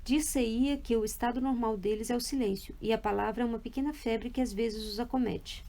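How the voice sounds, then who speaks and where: A woman narrating a literary audiobook in a calm, measured reading voice. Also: on the high side. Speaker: audiobook reader.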